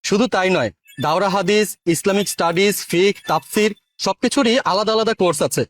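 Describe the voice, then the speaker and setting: High-voiced, quick-talking father played by an actor. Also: natural voice. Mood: helpful, persuasive. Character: friendly, eager father recommending an online Islamic school. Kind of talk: acted advertisement dialogue.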